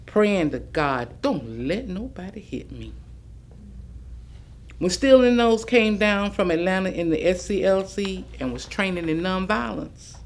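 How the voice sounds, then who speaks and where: A woman actor performing a defiant Black civil rights picketer's folksy, emphatic recollections, as a staged reading. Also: fairly low pitch. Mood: defiant, resolute. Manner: plainspoken, folksy, emphatic storytelling. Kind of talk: staged reading of oral history.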